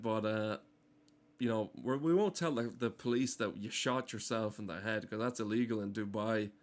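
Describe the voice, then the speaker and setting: A man giving casual, rambling gameplay commentary, swearing freely and riffing with dark, irreverent humour. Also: medium pitch. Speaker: gameplay streamer. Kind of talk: casual, rambling commentary over game cutscenes.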